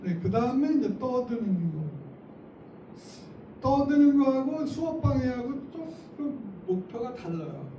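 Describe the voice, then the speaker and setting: A middle-aged man with a high voice lectures a room of teachers, acting out what students and teachers say. He sounds distant from the mic, with a lot of room echo. Background noise runs under his voice. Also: measured pace, lo-fi sound. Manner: lively, acts out classroom lines, laughs often. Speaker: teacher trainer. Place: school auditorium. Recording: echoey hall, mic from far off, noisy.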